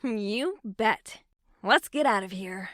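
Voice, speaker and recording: A woman's voice: medium pitch, animated, takes it slowly, a bit bright. An actress playing a friendly, easygoing young bookish woman in a naturalistic audio drama, speaking casually. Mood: friendly, polite. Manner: casual, conversational.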